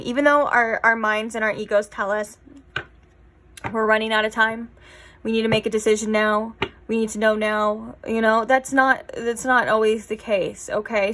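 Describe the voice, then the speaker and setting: A woman's voice: mid-range voice, a bit bright. A young woman giving a casual tarot reading, rambling and chatty with lots of fillers. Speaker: tarot reader.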